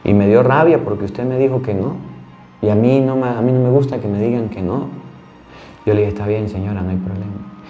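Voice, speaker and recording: A priest from Venezuela giving a sermon, telling a story in an earnest, plain-spoken way. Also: male voice, medium pitch, a little fast, warm tone, echoey room, lo-fi sound, soft background music.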